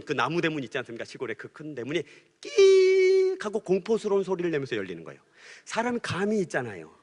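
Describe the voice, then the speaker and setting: A middle-aged male pastor with a high, bright voice that carries in a hall with a long reverb. He tells his story with great animation, dropping to a hush and then bursting out loudly. The preaching is lively and ringing. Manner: animated, swings from hushed storytelling to loud outbursts. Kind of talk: sermon with storytelling.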